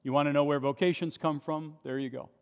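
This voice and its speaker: With a fairly high pitch and a steady tone, the man preaches quickly and smoothly. He is a pastor giving a fervent sermon through a pulpit microphone in a big, nearly deserted church, asking rhetorical questions, all wrapped in long church reverb.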